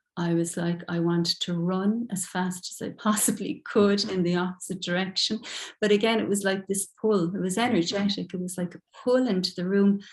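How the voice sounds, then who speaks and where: A woman speaks at medium pitch and a moderate pace. Her voice is somewhat breathy, with fairly even intonation. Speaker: spiritual teacher. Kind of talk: interview conversation.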